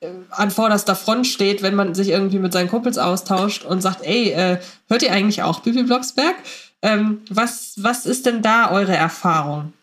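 A woman's voice: medium pitch, normal speed, fairly bright tone. A woman hosting a podcast, asking questions in a casual, chatty style. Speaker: podcast host. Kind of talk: casual chat.

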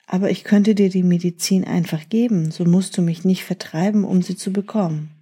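Storybook dragon, sad and reasonable, soft mellow voice, read by a woman. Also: fairly low pitch, fairly even intonation, fairly quick, slightly rough. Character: fire-breathing dragon, male, sad and gentle.

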